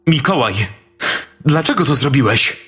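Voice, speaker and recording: A man's voice: mid-range voice, animated, moderate pace, bright, forceful tone, husky, voice pushed up. A man doing an accusing young teacher. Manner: accusing and indignant. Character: shocked young woman preschool teacher.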